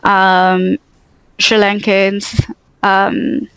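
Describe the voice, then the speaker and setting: A woman's voice: mid-range voice, very slow, clear, resonant tone, no echo, muffled recording. Chatty young woman, mixed American-Australian accent. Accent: mostly American with Australian and English touches. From Tanzania. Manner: talkative, animated storytelling with many "like" fillers. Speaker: guest. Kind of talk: casual conversational interview.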